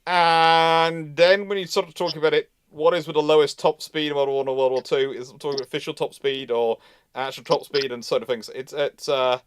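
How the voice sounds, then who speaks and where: A man's voice: fairly high pitch, steady tone, fairly quick, clear, resonant tone, dry recording. A man hosting a casual panel discussion and answering questions, often repeating and restarting his phrases. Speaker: host of a naval history live Q&A.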